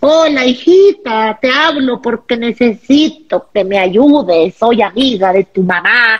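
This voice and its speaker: Using a put-on character voice at a fairly high pitch, the speaker moves at a fairly slow pace with hardly any pauses. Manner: sweet, feigned, trembly.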